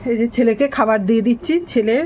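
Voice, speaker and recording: A woman walks through her home-cooked dishes in a relaxed, explanatory way. Faint noise sits behind her voice. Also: fairly high pitch, quick pace. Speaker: home cook and vlogger. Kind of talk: casual cooking vlog.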